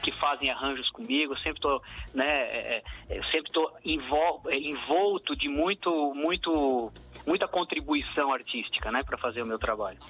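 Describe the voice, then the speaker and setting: A man's voice: mid-range voice, moderate pace, fairly bright tone, faint music behind, rough recording. A man from southern Brazil with a southern Brazilian accent, a musician answering radio interview questions in a reflective way, full of fillers and restarts. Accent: southern Brazilian Portuguese. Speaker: musician guest.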